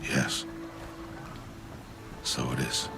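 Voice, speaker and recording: A man playing a stern, solemn older tribal mentor in a dramatic video game, speaking gravely and formally. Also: very slow. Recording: loud music and ambient noise.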